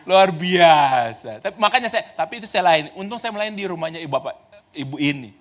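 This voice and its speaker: A male pastor delivers a sermon in a high, bright voice. His pitch leaps wildly as he tells stories. He moves from loud exclamations to soft asides, laughing along the way. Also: lively intonation, fairly quick. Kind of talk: lively sermon with storytelling. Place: church.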